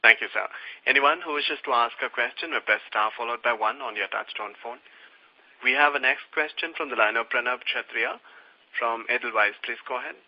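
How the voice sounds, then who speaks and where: Male conference operator, scripted formal lines, medium pitch, muffled phone audio. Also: brisk. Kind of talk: scripted call moderation.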